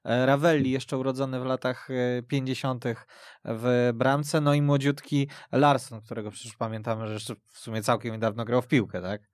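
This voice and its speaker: A man's voice: mid-range voice, level tone, moderate pace, dry recording, studio quality. A man hosting a radio sports podcast, steering the talk and prompting his guests with questions. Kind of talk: casual sports discussion. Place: radio studio.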